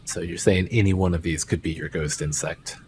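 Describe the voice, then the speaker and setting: A man's voice: low-pitched, steady tone, a little fast, darkish tone, a little hiss or hum. A man hosting a let's play, reading dialogue aloud and joking around in a rambling, self-interrupting way. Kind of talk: casual game commentary and reading dialogue.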